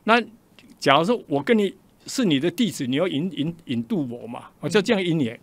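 This radio guest, an older man whose Mandarin carries a Taiwanese accent, has a rather high voice and talks a little fast; there's no room sound. With lively energy he narrates a personal story, giving the quoted dialogue different voices.

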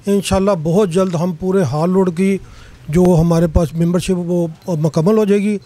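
A man's voice: high-pitched, steady tone, moderate pace, mellow. A man leading a traders' group answers an interview in a crowded indoor office, speaking with devout, grateful phrasing. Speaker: trade association leader. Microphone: handheld mic.

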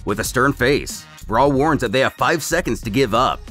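A man reads a scripted story recap like a storyteller. His pitch is medium and moves around in a lively way. Faint music plays underneath. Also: moderate pace. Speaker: YouTube narrator and host.

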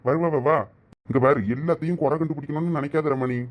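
A man's voice: a little high, fairly even intonation, fast, natural voice. A man playing a patient village husband, chiding and reassuring in a Thoothukudi Tamil accent.

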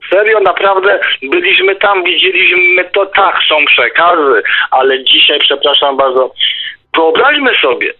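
A man in a heated informal radio discussion, talking bluntly and emphatically and repeating his words. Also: fairly high pitch. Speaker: talk show participant. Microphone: remote call. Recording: narrow tinny phone-line sound.

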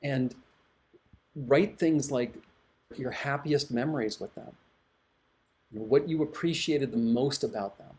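A middle-aged man, a hypnotherapist, giving calm, reflective advice to viewers. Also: mid-range voice, unhurried, long pauses.

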